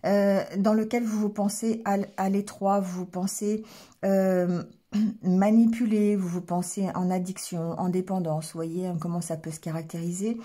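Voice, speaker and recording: A woman with a hoarse, mellow, darker voice reads tarot cards for her viewers. She talks haltingly, full of fillers and restarts, and keeps clearing her throat and checking in with the listener. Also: mid-range voice, flat delivery. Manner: hesitant, many fillers and restarts, checks in with "d'accord?". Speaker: tarot card reader. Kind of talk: casual tarot reading addressed to viewers.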